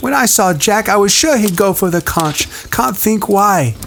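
A man's voice: sits high, lively intonation, unhurried, vocal fry, a bit bright, slight background noise, pitched above the performer's own voice, heavily acted. A man voicing an anxious, fussy schoolboy who talks nervously and fretfully.

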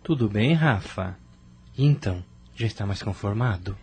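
A man's voice: fairly low pitch, lively intonation, moderate pace, darkish tone, faint music behind. Affectionate, effusive gay man played by an actor. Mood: caring, flirty. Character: affectionate gay male friend, gently effusive and caring. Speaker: radio soap actor. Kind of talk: radio soap opera acting.

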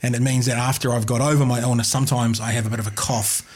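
A man hosting a casual live radio interview, chatty and rambling, slightly husky after an illness. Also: mid-range voice, level tone, fast talker, a little mellow, a little hiss or hum. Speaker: radio host.

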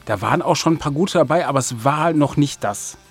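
A man giving casual, colloquial interview answers, often halting mid-sentence as he thinks. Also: fairly high pitch, slightly rough, faint music behind. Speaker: interview guest, music producer of an audio drama.

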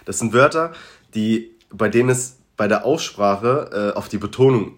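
Leiser junger mann mit tiefer stimme. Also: male voice, on the low side, moderate pace. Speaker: podcast co-host. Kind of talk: casual podcast chat.

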